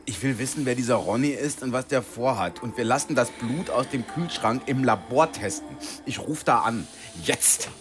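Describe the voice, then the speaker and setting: A man's voice: medium pitch, normal speed, few pauses, music in the background, close to an everyday voice. An actor playing an eager, indignant male office worker in a radio play, flustered and self-important.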